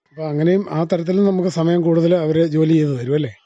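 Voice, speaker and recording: Very mellow, quick-talking Kerala man interviewing. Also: a little high, steady tone, dry recording. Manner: inquisitive, often ends with confirming tag questions. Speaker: radio interviewer. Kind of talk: conversational interview questioning. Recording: dull, band-limited dry radio recording.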